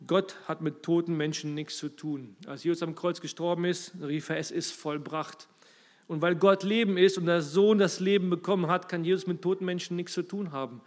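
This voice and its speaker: A man's voice: on the high side, fairly even intonation, moderate pace. Emphatic man preaching. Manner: emphatic, rising and falling in loudness, addresses listeners directly. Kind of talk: sermon.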